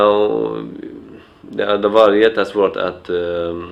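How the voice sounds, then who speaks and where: A very slow pace in an Arabic accent, with audible room echo. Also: man. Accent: Arabic-accented Swedish. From Syria. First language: Arabic (speaking Swedish). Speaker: migrant interviewee. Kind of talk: interview testimony. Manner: halting, many fillers and repeats.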